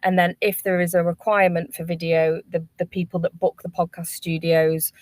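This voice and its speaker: A woman's voice: on the low side, flat delivery, normal speed, a little mellow, no echo. A woman speaking as a panelist on a webinar, explaining things in an informative way. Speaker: workspace company panelist.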